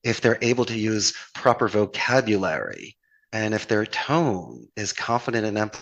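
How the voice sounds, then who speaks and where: A man's voice: on the low side, lively intonation, moderate pace, vocal fry, a bit bright, low-quality recording. A man from Philadelphia with a Philadelphia accent, talking as a podcast guest in an earnest, flowery, motivational way with plenty of rhetorical questions. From Philadelphia, United States. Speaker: podcast guest, call center owner. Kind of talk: conversational podcast interview, motivational anecdotes.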